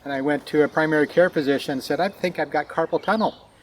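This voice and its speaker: Higher-voiced older man outdoors. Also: a little hiss or hum, poor audio. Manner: measured storytelling, acting out dialogue. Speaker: interviewee. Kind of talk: documentary interview, recounting. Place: outdoors on a park bench.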